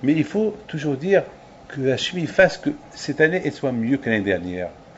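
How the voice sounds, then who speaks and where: At a moderate pace, a man's voice makes very wide pitch swings over noticeable background noise. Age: 60s. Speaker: rabbi giving Torah lessons. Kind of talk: Torah lesson. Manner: halting, repetitive.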